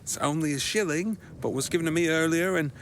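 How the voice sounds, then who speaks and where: A man plays a meek, poor clerk in a radio drama. His voice sits a little high, polite and kindly, over faint noise. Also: fast, close to an everyday voice. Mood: humble, kind. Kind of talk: theatrical radio drama acting.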